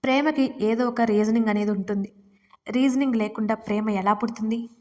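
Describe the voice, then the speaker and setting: A woman's voice: fairly high pitch, fairly even intonation, fairly quick, a little mellow, big-room sound, natural voice. A woman voicing an angry, stubborn young husband who scolds his wife impatiently in an audio story.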